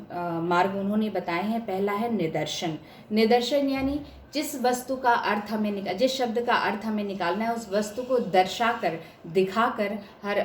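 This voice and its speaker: A woman lecturer talks through a lesson at an even, mid-height pitch, leaning on key words as she gives examples. Her voice rings in an echoey room over a faint hiss. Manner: explanatory, stresses words to show examples. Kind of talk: academic lecture.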